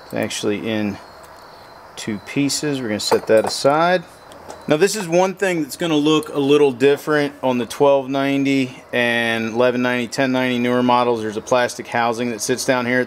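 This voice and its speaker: A man's voice: medium pitch, fairly quick, slight background noise. Man explaining a motorcycle fuel pump rebuild. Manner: plain, practical, talks while working with his hands. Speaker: motorcycle repair how-to host. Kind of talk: step-by-step repair walkthrough. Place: outdoors at a pickup truck bed workbench.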